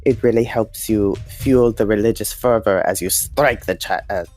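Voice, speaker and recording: Guy doing a super devout zealot lady for a dnd game, lowish voice, earnest and keen, bit of music behind. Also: moderate pace, a little mellow, natural voice. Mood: fervent, instructive. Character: devout, orderly female zealot with a violent streak. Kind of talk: improvised tabletop roleplay.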